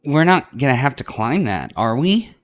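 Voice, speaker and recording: A man's voice: medium pitch, very animated, moderate pace, soft background music, voice pushed up, natural voice. A man voicing an anxious, doubting young woman on an adventure, asking worried questions in a visual novel read-aloud. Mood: doubtful.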